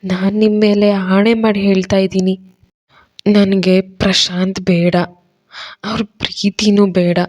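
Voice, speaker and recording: A woman's voice: medium pitch, fairly even intonation, a little slow, pauses often, a little mellow, close to an everyday voice. A woman voicing an earnest young woman who pleads tearfully with an older friend. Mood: pleading.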